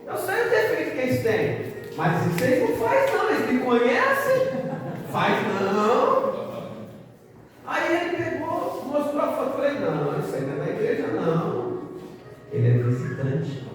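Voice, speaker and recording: A Brazilian man preaching a storytelling sermon as pastor, animated and acting out the dialogue of his story. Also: extremely high pitch, moderate pace. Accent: Brazilian Portuguese. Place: large church hall. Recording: echoey church hall from far off, music behind.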